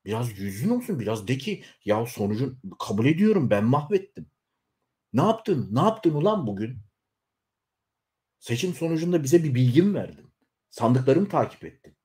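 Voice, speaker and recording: A man in his forties delivering a heated political rant straight to his viewers, scolding and shaking with anger, his voice swinging up into shouts. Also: medium pitch. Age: 40s. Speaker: YouTuber. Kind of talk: angry political rant to camera.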